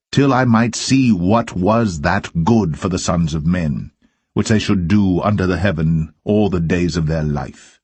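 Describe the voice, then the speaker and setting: A man with a lowish, husky voice narrates scripture in a formal, measured way. The delivery is solemn and scripted, like an audio Bible, and the recording is very dry and close. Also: no echo.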